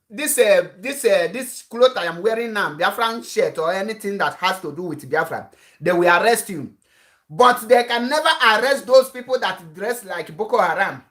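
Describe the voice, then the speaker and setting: A man's voice: high-pitched, fairly bright tone. A man with a Nigerian accent whose first language is Igbo, giving an impassioned online address as an activist broadcaster, repeating his warnings and restarting his sentences often. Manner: insistent, repetitive warnings, frequent restarts.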